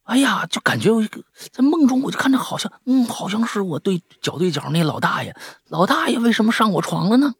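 A man hosting a podcast and reading out listener stories in a chatty, animated way, dropping to hushed tones for the eerie parts and breaking off with jokey asides. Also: sits high, quick pace, few pauses, slightly rough, no room sound, studio quality.

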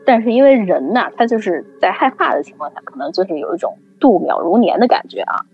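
A woman telling a story in casual chat, lively and acting out the people she quotes. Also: mid-range voice, fast, slightly rough, faint music behind. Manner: animated storytelling, acts out quoted voices. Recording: dull lo-fi recording.

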